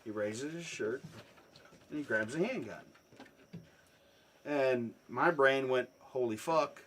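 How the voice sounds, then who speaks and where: A man telling a swear-filled story in a casual chat, dropping low and then bursting into loud shouts. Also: takes it slowly, a little hiss or hum. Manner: profane, animated, swings from hushed to shouting.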